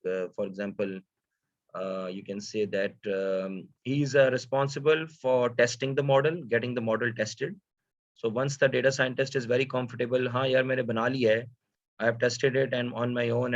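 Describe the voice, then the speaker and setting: A man with a South Asian accent giving an informal data science lecture, speaking haltingly with frequent hesitations and rhetorical questions. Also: mid-range voice, dry recording. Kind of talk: informal lecture, code-switching. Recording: dull, dry lo-fi audio.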